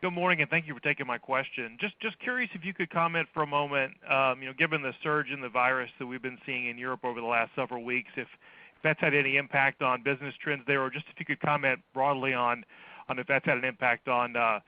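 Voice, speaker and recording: A man's voice: medium pitch, steady tone, fast, dry recording. A man asking a polite question as an analyst calling into an earnings call. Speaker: financial analyst caller. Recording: dry, dull phone audio.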